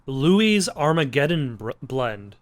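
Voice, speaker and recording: A man's voice: mid-range voice, big pitch swings, slow pace. A man hosting a let's play, giving casual, rambling gameplay commentary with dry jokes over music. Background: game music.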